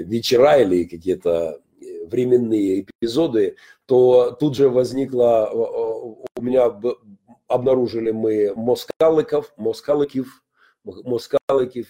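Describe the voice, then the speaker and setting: Brief: middle-aged male pastor, husky and dark-toned, solo opinion talk with many "uh" pauses. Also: medium pitch. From Ukraine. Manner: frequent "э" hesitations, emphatic rises. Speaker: pastor and commentator.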